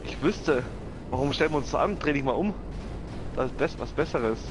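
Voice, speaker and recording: A man's voice: fairly high pitch, expressive, brisk, over music, low-quality recording. A man with a Swiss German accent chatting casually with a fellow player during an online game. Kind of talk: casual gaming chat. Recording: clear game vehicle noise behind.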